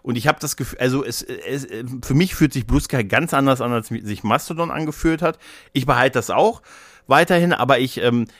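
Recorded without echo, this podcast co-host speaks briskly in a medium-pitched, fairly bright voice. He chats casually and rambles, mixing English slang into his colloquial talk.

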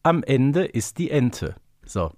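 A man's voice: mid-range voice, very animated, takes it slowly, a little mellow, no room sound. A man co-hosting a podcast, explaining things in casual analytical chat with emphatic turns and tag questions. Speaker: podcast co-host.

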